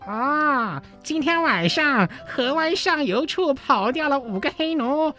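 A woman's voice: high-pitched, expressive, takes it slowly, pushed and bright, faint music behind, exaggerated voice. A woman voicing a stern armed grown man who questions a boy, in a children's storybook reading.

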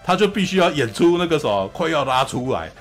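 A man hosting a casual anime review chat, retelling scenes in an animated way, often laughing and checking in with "you know?". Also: a little high, fast, faint music behind. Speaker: host.

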